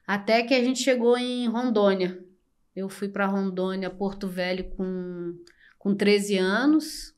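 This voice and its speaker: An older woman from Brazil, a podcast guest telling her life story slowly and reflectively, with many pauses. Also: mid-range voice, steady tone. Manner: slow, reflective, with frequent pauses and fillers. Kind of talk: personal storytelling in an interview.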